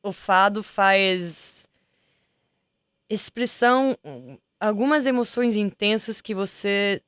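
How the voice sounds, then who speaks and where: A woman's voice: mid-range voice, takes it slowly, fairly bright tone, clean tone, dry recording. A woman, a singer being interviewed in a music studio, chatting casually and often restarting while she searches for words. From Italy. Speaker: guest singer.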